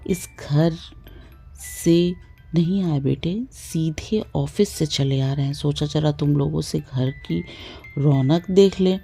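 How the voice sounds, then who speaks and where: A woman voicing a tall, hearty male doctor who talks in a booming, breezy, familiar way, read from a storybook. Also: slow, warm tone, husky, soft background music, heavily acted. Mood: jovial.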